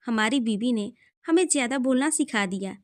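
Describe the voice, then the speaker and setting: A devoted, protective young husband voiced by a woman reading the story aloud. His lines come in a high, light voice that is tender and firm by turns. It is an audio story reading. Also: expressive, normal speed, natural voice. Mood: affectionate.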